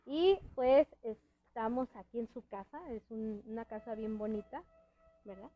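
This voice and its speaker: A woman's voice: on the high side, measured pace, dull audio, soft background music. A woman hosting a casual live-stream chat from a friend's house, rambling with many restarts and little laughs, her speech a bit hampered by a dental palate. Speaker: host.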